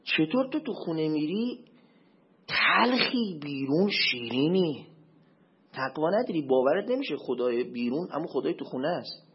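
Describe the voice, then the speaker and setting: A male preacher delivers a religious lecture, alternating between loud, forceful questions and quiet, muttered asides. His voice is husky with a sing-song lilt, captured in a dull, lo-fi recording.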